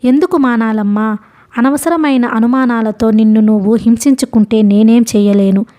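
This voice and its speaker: A woman's voice: a little high, normal speed, dark tone, lightly acted. A woman narrating a novel, voicing a weary young woman who answers her mother firmly and sarcastically. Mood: defiant. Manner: firm, sarcastic, tired. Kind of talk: audiobook novel reading.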